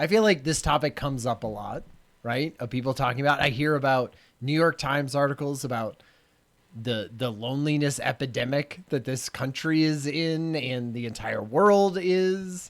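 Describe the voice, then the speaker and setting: With a fairly high pitch, a man speaks at a moderate pace and ordinary pitch variation. The recording is very clean, and the background is silent. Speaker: livestream co-host. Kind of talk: casual chat. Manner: soft-spoken.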